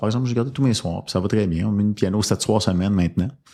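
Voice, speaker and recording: A man's voice with ordinary pitch variation over background music. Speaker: restaurant owner. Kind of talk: interview. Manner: casual, with many fillers.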